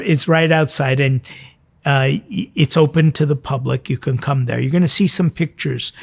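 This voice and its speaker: A man's voice: a little high, creaky. A man hosting a church programme as a priest, talking informally and explaining things directly to his viewers in a conversational way.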